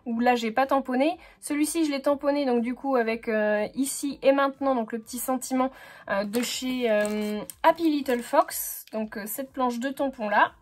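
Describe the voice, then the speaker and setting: A woman's voice: high voice, moderate pace. A woman hosting a casual scrapbooking tutorial, chatty and full of fillers and self-corrections.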